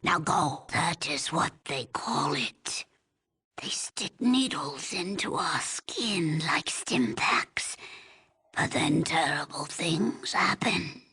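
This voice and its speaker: A woman playing a weary, stern old tribal elder in a video game, with a breathy, husky rasp and a solemn, halting, commanding manner. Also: sits low, expressive, pushed and bright, full character voice. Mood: stern, urgent, then grim, haunted. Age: older. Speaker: village elder. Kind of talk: dramatic video game voice acting.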